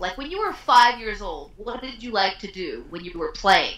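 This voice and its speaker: Animated in tone, a high-pitched woman speaks with very wide pitch swings. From US (born in Mexico). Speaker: chef and entrepreneur. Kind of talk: interview.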